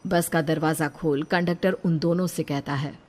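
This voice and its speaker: A woman narrating a cartoon story in a brisk, blunt scripted manner. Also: low voice, steady tone, darkish tone.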